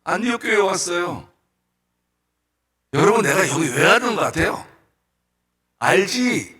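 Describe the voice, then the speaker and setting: A man preaching a sermon as a guest missionary in a church, telling stories with animated bursts of shouting and questions to the congregation. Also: high-pitched, normal speed, slightly rough. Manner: storytelling with rhetorical questions to the congregation. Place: church sanctuary.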